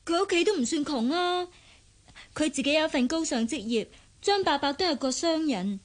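A spirited young daydreaming student. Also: female voice, high-pitched, normal speed. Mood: defiant. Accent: Hong Kong Cantonese. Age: young adult. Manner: lively, sulky, dreamy. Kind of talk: radio drama acting. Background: background music.

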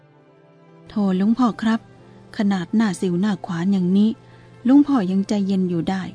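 Casting: woman reading a naive, earnest young male monk, warm breathy voice. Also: medium pitch, natural voice. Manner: polite, earnest, self-reproaching.

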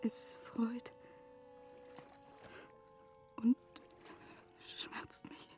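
An actress playing an earnest noblewoman in a literary radio drama, speaking in hushed, halting, measured phrases as she bids a painful farewell. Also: in a whisper, soft background music. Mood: pained, confessing.

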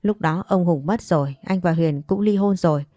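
A woman's voice: lowish voice, moderate pace, mellow, dry recording, studio quality, soft background music, natural voice. A woman reading the part of an exasperated man who scolds his secret lover. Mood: scolding.

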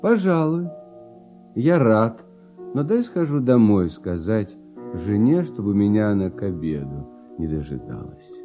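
An actor playing a cheerful, carefree genius composer in a verse radio play, with light-hearted, expressive theatrical delivery. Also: male voice, fairly low pitch, unhurried. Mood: playful. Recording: dull vintage radio play recording, music behind.

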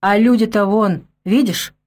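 A woman's voice: medium pitch, steady tone, measured pace, a little mellow, lightly acted. Grumbling old village man, wary and folksy, storybook voice, read by a woman. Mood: wry.

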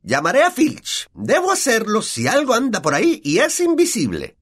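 A shrill, spiteful poltergeist in a storybook reading, sneering and then wheedling. The voice climbs very high and swings wildly in tone. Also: male voice, wildly swooping pitch, normal speed, a bit bright, breathy edge, heavily acted. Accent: Latin American Spanish. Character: spiteful floating male poltergeist, fawning when scared.

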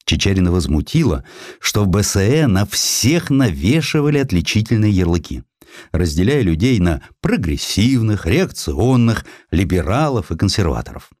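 A man reading a historical essay as an audiobook, in an expressive, theatrical and ironic storytelling manner. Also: fairly low pitch, moderate pace, dry recording, studio quality. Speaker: audiobook narrator.

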